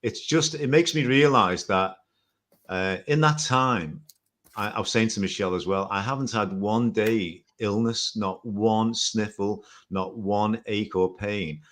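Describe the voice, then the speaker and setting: An older man in his sixties with a Liverpool accent and a fairly low voice. He tells his story in a loose, chatty way, backtracks and corrects himself, and drops in small jokes as he goes. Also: measured pace, a bit bright. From Liverpool, England. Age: 60s. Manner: chatty, rambling, self-correcting with light jokes. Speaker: guest. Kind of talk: casual storytelling interview.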